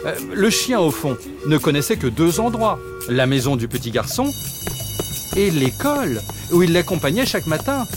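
A man reading a children's story aloud in a playful, expressive way, with music behind. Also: fairly high pitch, normal speed.

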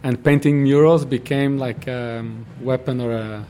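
A man from Portugal, a graffiti artist speaking haltingly in a street interview, with many pauses and ums. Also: mid-range voice, fairly even intonation, warm tone, slight background noise. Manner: hesitant, halting, full of ums.

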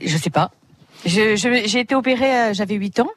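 A middle-aged woman answers questions as a radio guest. She talks in a relaxed way and hesitates often. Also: medium pitch, a little fast, a little hiss or hum. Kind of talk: radio interview.

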